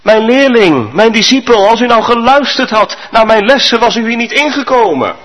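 A preacher voicing a calm old male sage who lectures his pupil, in a reverberant church. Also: very high voice, normal speed, voice pushed up, heavily acted. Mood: reproachful.

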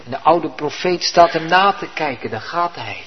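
A man's voice: fairly high pitch, animated, moderate pace. A male pastor preaching a sermon in church, telling the story vividly and earnestly. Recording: dull recording with long hall reverb.

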